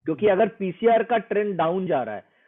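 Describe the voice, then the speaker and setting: A man explains a trading method in an interview. He is earnest and persuasive, and he slips English phrases into his talk. His voice sits fairly high and comes through a thin, phone-like line. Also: sing-song, a little fast. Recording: tinny phone-like sound.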